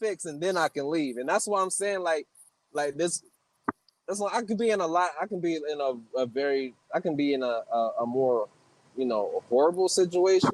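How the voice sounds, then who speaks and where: A man with an American accent, a high pitch, lively intonation and a fairly quick pace, in a dry, close sound with no echo. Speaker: podcast host. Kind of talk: casual chat. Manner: halting, many repeated fillers.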